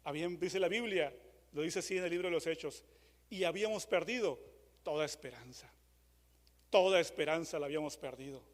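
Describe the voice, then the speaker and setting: A man preaching a dramatic sermon, moving from loud re-enacted shouts to hushed questions. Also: a little high, brisk, pauses often. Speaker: pastor. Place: church hall. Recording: long church hall reverb.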